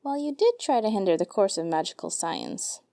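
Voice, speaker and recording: A woman's voice: medium pitch, sing-song, fairly quick, gravelly, warm tone, no room sound, clean studio sound. A woman playing a grudging, bossy and self-important schemer in a fantasy audio drama.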